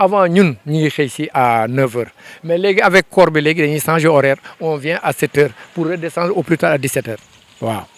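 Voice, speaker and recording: A man speaks at a fairly quick pace in a plain, everyday voice. The sound is dry and close, with no echo. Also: fairly high pitch for a man, ordinary pitch variation. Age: 60s. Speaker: mechanic, garage chief. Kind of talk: interview.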